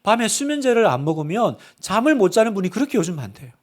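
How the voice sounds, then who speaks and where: A male pastor preaching a sermon, asking rhetorical questions and building to emphatic, louder bursts. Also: high voice, very animated, fast talker. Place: church sanctuary.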